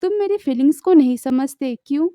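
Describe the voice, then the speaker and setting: A woman's voice: high-pitched, lively intonation, fairly quick, dark tone, dry recording, studio quality. A woman voicing a young man who is both anxious and playfully insistent, read out in a drama recap. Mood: worried.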